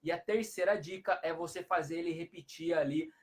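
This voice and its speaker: A man's voice: on the high side, a little fast. A man, a hypnotherapist giving parenting advice on a live stream, who explains things repetitively and often adds tag questions.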